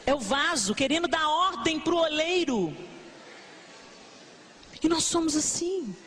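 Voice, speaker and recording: A Brazilian woman preacher delivering a lively sermon to a congregation, with a broadcast church-service feel. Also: sits high, unhurried, a little hiss or hum. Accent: Brazilian Portuguese. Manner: animated, acts out complaining believers in mock voices.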